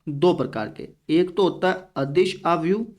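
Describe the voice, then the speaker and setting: This math teacher's voice sits on the high side, slightly mellow and unhurried, with a Hindi-speaking north Indian accent. His lecture feels conversational, as he frequently checks if students are following and replies in their voice himself.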